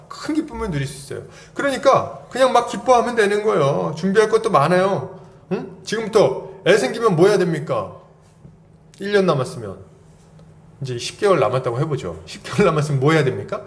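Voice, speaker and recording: A man preaching an expository sermon as pastor, asking the congregation questions and telling personal stories with laughter. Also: high voice. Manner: lively, asks the congregation questions and prods with "eh?".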